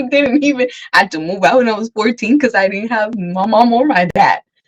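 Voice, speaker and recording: A woman at a moderate pace, the sound dry and close with no echo. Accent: Spanish. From Mexico, then US. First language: Spanish. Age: 30s. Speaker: podcast guest. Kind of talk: casual chat.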